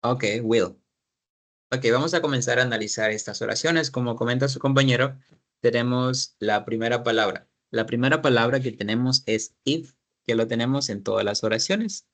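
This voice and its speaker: A man's voice: mid-range voice, normal speed, fairly bright tone. A man teaching an English class, explaining grammar in Spanish, repeating his students' sentences and asking guiding questions.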